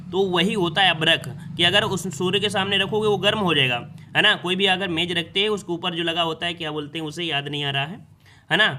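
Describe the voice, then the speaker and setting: Guy going over test answers, kinda high pitched, super bright sound, keeps repeating the question back. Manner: repeats questions, addresses students directly. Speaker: exam coaching teacher. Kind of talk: explaining quiz answers.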